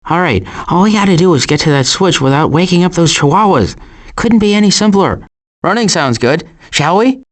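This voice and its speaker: The mood is uneasy and dry as a man voices a cautious, anxious adult male turtle for an animated video game. He talks at a moderate pace in a high voice, fretful and wry, with deadpan sarcasm and stammering.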